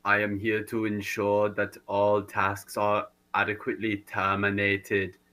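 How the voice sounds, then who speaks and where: A rusty, glitching male cyborg, put on by a man speaks in a dead-flat monotone, catching on syllables and restarting words like a robot with failing gears. The delivery is slow and deliberate, in a low-ish but bright, hard-edged voice. It reads as a stiff, deadpan machine in a comedy sketch. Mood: robotic. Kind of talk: comedy sketch role-play.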